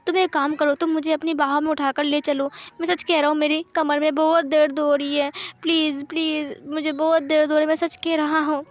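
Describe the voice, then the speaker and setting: A woman's voice: level tone, fairly quick, few pauses, natural voice. A woman voicing a dramatic young man who pleads and whines while faking pain. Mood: pleading. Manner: pleading, melodramatic, high-pitched whining.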